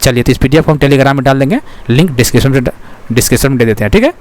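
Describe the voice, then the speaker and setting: A man's voice: mid-range voice, animated, very fast. A man teaching an exam-prep lesson, repeating his own questions to the class and filling with frequent checks like "okay". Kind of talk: fast exam-prep lecture.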